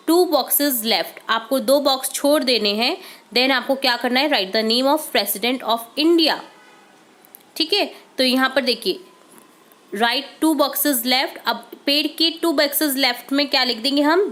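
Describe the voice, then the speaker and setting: High-voiced woman teacher, slow and patient. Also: a bit bright. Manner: reads English instructions slowly, then explains in Hindi; patient, repeats steps and checks understanding. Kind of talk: worksheet lesson for schoolchildren.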